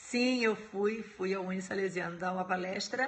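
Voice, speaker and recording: A woman with a medium pitch talks in fairly even intonation, with audible room echo and noticeable background noise around her. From Brazil, Rio de Janeiro. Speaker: law professor. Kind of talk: live-stream Q&A lecture. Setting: live stream from home. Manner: casual, conversational.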